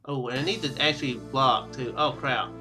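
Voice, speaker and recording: A man doing casual, chatty game commentary with excitable reactions. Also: mid-range voice, moderate pace, over music. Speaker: gaming video player. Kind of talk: casual game commentary, reading dialogue aloud.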